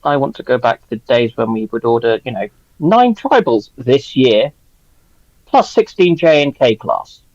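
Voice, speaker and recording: A man's voice: medium pitch, expressive, normal speed, a little mellow, no echo. A man chatting casually as a panelist in a discussion, recorded with slightly dull, lo-fi sound.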